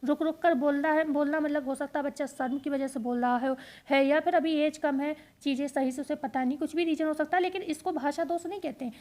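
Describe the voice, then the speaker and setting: A woman teaching an exam-prep lesson, explaining step by step and repeating key points as quick questions and answers. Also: sits high, steady tone, darkish tone.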